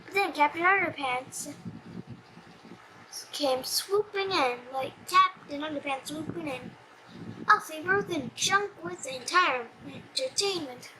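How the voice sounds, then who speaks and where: A child reading a comic storybook aloud in an animated, slightly stumbling way. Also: sits high, a little slow, background noise.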